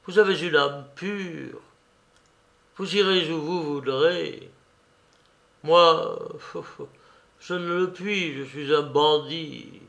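A man voicing a brash condemned gypsy bandit with loud, boisterous, defiant outbursts in an audiobook. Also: a little high, drawn-out words, creaky, pauses often, exaggerated voice. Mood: exalted. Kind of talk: audiobook character voice.

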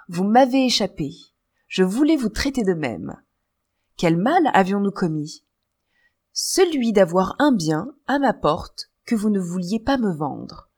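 Woman reader doing a callous, gloating nobleman, lively pitch. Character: cruel, lustful older male minister.

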